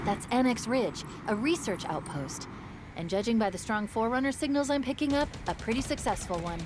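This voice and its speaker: An actress playing an upbeat young female military AI companion in a video game, briefing in a brisk, chatty, eager way. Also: fairly high pitch, lively intonation, heavy background noise, close to an everyday voice. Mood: briefing, curious. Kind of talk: video game mission dialogue. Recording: loud game music behind.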